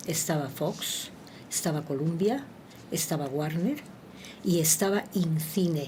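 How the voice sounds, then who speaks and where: The speech is very slow, somewhat breathy and dark and mellow in tone, with ordinary pitch variation. Audible room echo surrounds the voice. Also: woman. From Ecuador, Quito. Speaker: film publicist and author. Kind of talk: interview. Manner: hesitant, with fillers.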